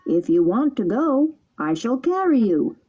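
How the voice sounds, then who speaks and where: A woman voicing a large, helpful male pigeon who talks in a calm, steady, kindly way. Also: on the high side, measured pace, slightly rough, pitched above the performer's own voice, full character voice. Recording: dull lo-fi recording.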